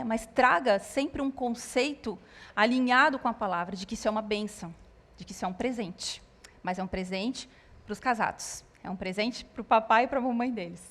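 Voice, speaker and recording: Female pastor, earnest and gentle, slightly high, in a reverberant hall. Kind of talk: church teaching on parenting.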